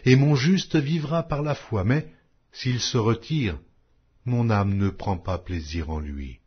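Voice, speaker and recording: A man reading scripture aloud as a formal audiobook narration, in a solemn, measured, declamatory way. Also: medium pitch, lively intonation, husky, muffled recording.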